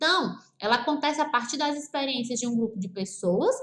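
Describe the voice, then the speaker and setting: A woman talks with a regional Brazilian accent. Her pitch swings very widely. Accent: noticeable regional Brazilian. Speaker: school teacher. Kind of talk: online lesson for children. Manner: friendly, conversational.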